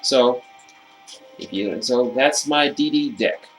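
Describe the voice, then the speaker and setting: Over faint background music, a man in a rough recording presents a card game deck in casual commentary. His mid-range, slightly hoarse voice reads out card text and lingers on key phrases by repeating them slowly.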